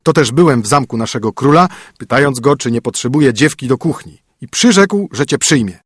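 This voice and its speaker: A man's voice: mid-range voice, animated, fairly quick, breathy edge, dry recording, studio quality. A man voicing a stern young king disguised as a poor fiddler, commanding, in a storybook reading. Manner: commanding, firm.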